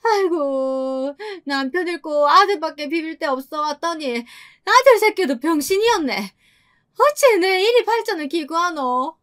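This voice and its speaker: Woman voicing an older mother-in-law from for an audio story: shrill, bossy and pushy, pitched high. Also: very animated, moderate pace, fairly bright tone. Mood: wailing. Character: loud domineering older mother-in-law with a regional dialect.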